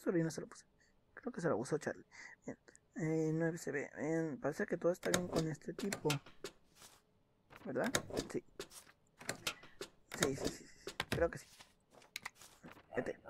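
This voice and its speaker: Commenting on the game he's playing, a young man who hosts gaming videos speaks in a slightly high voice, with a little hiss or hum on the recording. He mutters along, reads in-game documents out loud and throws in jokey asides.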